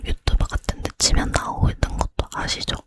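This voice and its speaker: A woman doing a whispered role-play as a chatty, boy-crazy young woman getting ready to go out, leaning in to whisper in a breathy hush. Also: normal speed, lightly acted. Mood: chatty, determined. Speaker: ASMR creator.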